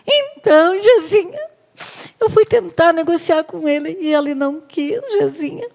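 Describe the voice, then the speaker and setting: A woman's voice: very high-pitched, lively intonation, gravelly, a little mellow, pitched above the performer's own voice, full character voice. A woman with a Brazilian accent voicing a sulking, whining biblical king who pouts and complains. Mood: whiny. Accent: Brazilian Portuguese. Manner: whining, pouting, drawn-out complaints. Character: sulking whiny biblical king, grown man.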